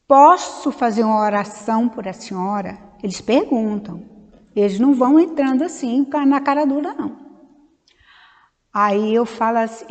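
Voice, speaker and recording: A woman's voice: a little high, a little mellow. A Brazilian woman giving an informal, conversational religious study talk, wandering off on side stories and acting out small dialogues. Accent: Brazilian Portuguese. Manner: conversational, digressive, acts out little dialogues. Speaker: speaker at a Spiritist study meeting. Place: meeting hall of a Spiritist center. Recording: long hall reverb.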